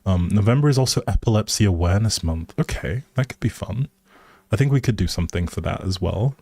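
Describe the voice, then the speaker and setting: A man with a fairly low voice talks as a livestream host, informal and chatty. He speaks directly to his viewers in a casual way. The sound is dry and close on the microphone. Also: animated, fairly quick, darkish tone, husky, dry recording.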